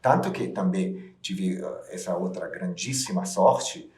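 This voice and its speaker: A man with a low-pitched voice, chatting in an interview. He tells stories in an emphatic, lively way. The recording carries a roomy echo. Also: a little slow. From half Italian, half Brazilian. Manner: animated, emphatic storytelling. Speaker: actor interviewee. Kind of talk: casual interview chat.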